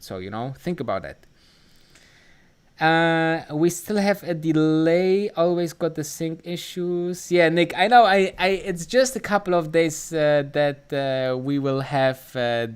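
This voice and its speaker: A German man hosts a live stream from his home setup, reading viewer comments aloud. He speaks slowly with a German accent, and his voice is smooth and clear. He rambles, filling pauses with ums and restarting his sentences. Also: medium pitch. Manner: rambling, many fillers and restarts. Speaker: livestream host answering chat. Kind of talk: casual live stream chat.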